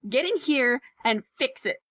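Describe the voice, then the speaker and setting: A woman's voice: sits high, lively intonation, a little slow, a bit bright, no echo, clean studio sound, heavily acted. A woman playing a sardonic, blunt young best friend in an audio drama. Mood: hostile.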